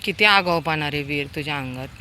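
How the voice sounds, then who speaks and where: Bright-voiced woman coaxing her dog. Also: sits low, fairly quick, slight background noise. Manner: coaxing a dog with repeated urgings. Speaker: pet dog owner and vlogger. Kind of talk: casual home vlog narration.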